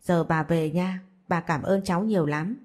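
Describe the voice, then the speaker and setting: A woman voicing a kind, gentle elderly beggar woman, speaking slowly and softly. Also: lowish voice, close to an everyday voice. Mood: grateful.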